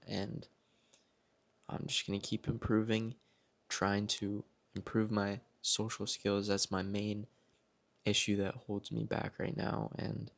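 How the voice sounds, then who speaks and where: At home indoors, a young man vlogs casually to the camera in a lowish, creaky voice. He sounds reflective and is motivating himself.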